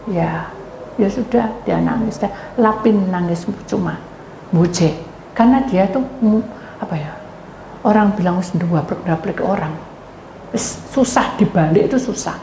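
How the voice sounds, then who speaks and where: A woman pastor with a Javanese accent, preaching a sermon as animated storytelling that addresses the congregation. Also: on the low side, a little slow. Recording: echoey hall with faint noise.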